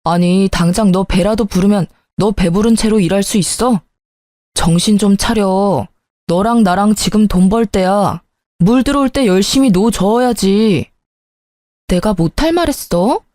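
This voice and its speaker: A woman's voice: mid-range voice, unhurried, no echo, studio quality, lightly acted. A woman voicing a young husband who is irritable and defensive in a spoken story. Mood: irritated. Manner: sulky, sharp-tongued, pleading at times. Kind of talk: storytelling with dialogue.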